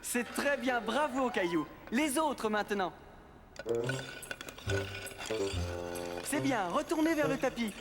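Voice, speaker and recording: Actor as male cartoon skating coach, animated intonation, patient, encouraging, instructive, background music. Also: medium pitch, moderate pace, close to an everyday voice. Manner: encouraging, clear instructional delivery. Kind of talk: children's cartoon dialogue.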